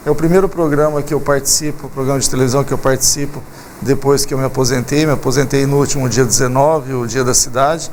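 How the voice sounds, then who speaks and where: A man speaks very fast in a fairly high pitch with a monotone, flat delivery, with audible room echo and noticeable background noise. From Brazil, São Paulo state interior, São José do Rio Preto. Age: 40s. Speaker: retired military police colonel. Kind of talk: TV studio interview. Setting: TV studio.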